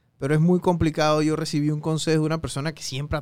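Very fast speech from a man with a fairly high pitch. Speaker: podcast host. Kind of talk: interview.

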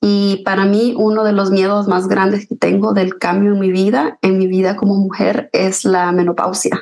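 A woman at medium pitch in a plain, everyday voice, at a fairly slow pace. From Honduras. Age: 30s. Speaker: podcast co-host, photographer. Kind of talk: casual chat.

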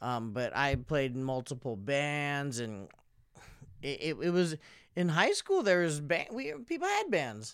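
A man with an American accent speaks in a normal speaking voice at a fairly high pitch. The recording is very clean, with a silent background. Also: ordinary pitch variation, fairly slow pace. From US West Coast (Santa Maria, California). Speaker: comedian. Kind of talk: casual chat.

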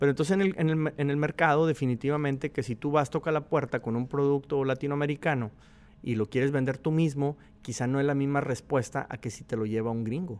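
A man with a Monterrey accent at a very fast pace, medium pitch and ordinary pitch variation. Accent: northern Mexican (regiomontano) Spanish. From Mexico, Monterrey. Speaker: entrepreneur. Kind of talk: interview.

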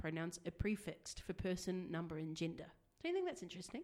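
The voice has a dark, mellow tone and an Australian accent. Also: woman.

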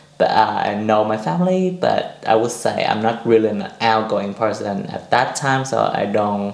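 Speaking at a fairly slow pace with a Vietnamese accent, a man is heard amid noticeable background noise and audible room echo. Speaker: pole dancer and instructor. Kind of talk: casual interview.

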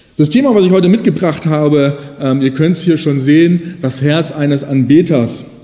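Fairly high male speech, ordinary pitch variation, audible room echo and noticeable background noise. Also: moderate pace. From Lake Constance region, southern Germany. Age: 30s. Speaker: pastor. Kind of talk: sermon. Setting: church. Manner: casual.

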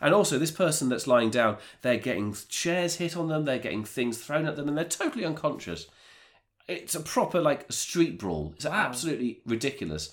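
Talking at a fairly quick pace, a man uses a fairly high pitch with vocal fry. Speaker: podcast host. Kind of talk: casual chat. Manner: joking.

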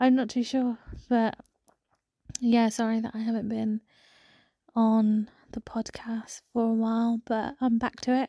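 In a British accent, a woman speaks at a fairly slow pace with a fairly high pitch, a dark, mellow tone and monotone, flat intonation. Long, frequent pauses break up her speech, and the sound is dry and close with no echo. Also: very clean recording, silent background. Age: 30s. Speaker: podcast host. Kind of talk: casual monologue.

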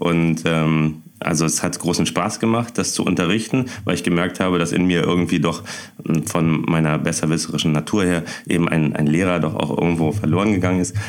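Over noticeable background noise and audible room echo, a man with a very deep, low pitch talks at a fairly quick pace, his loudness very even and his pitch variation ordinary. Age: 40s. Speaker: magician and comedian. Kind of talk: casual chat. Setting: remote call.

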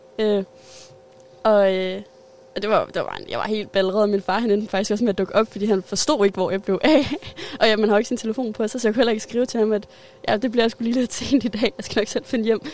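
Over noticeable background noise, a woman with a fairly high pitch talks at a very fast pace with fairly even intonation. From Zealand, north of Copenhagen. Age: 20s. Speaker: deckhand and former waitress. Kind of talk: interview.

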